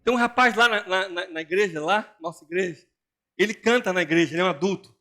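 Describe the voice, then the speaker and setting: An older man, a pastor with a Brazilian Portuguese accent, preaching an animated, joking sermon and mimicking other people's voices. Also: high-pitched, fast talker.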